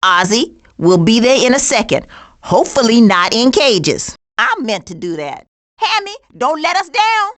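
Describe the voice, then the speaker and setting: Brash female skunk, game animation: American accent, high register, lively swings, blunt and sassy. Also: measured pace. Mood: bossy, urgent. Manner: sassy, blunt, folksy slang. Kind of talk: animated video game voice acting.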